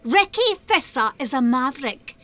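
A woman's voice: high voice, very animated, normal speed, pushed and bright, no room sound, heavily acted. A woman playing an impatient, brusque radio station boss in an audio drama.

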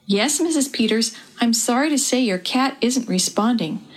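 A woman's voice: a little high, animated. A woman voicing a matter-of-fact male veterinarian who speaks with sympathy. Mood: sympathetic. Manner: brisk, sympathetic.

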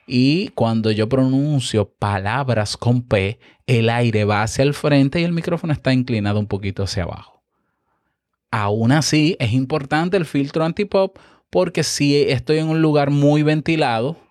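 A man's voice: mid-range voice, unhurried, no room sound. Man teaching podcast craft, dry close mic. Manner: animated, explanatory, checks in with the listener often. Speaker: podcast host and instructor. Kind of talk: instructional podcast talk. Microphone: close studio microphone with compressor.

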